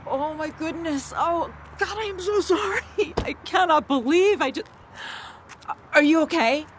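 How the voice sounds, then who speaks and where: A woman's voice: very high-pitched, measured pace, a little hiss or hum. A woman playing a shaken, apologetic, rambling driver in an audio drama. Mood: flustered, apologetic. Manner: nervous, apologetic, stammering. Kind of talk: naturalistic audio drama dialogue.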